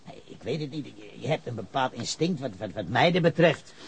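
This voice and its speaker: A man's voice: medium pitch, lively intonation, fairly quick, vocal fry, husky, heavily acted. An actor playing an evasive, argumentative, pedantic male witness with leftist ideals in a radio drama.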